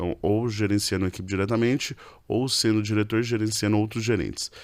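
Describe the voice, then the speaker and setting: Very rapid male speech with rather level intonation. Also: fairly low pitch for a man. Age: 30s. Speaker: real estate entrepreneur and speaker. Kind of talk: podcast interview.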